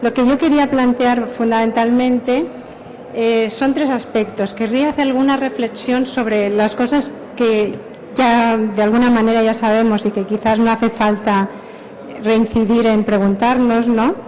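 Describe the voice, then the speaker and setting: A middle-aged woman with a Spain Spanish accent, a university professor giving a conference talk in a relaxed, informal, slightly self-deprecating way. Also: a little high, unhurried, slight background noise, poor audio. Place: conference room.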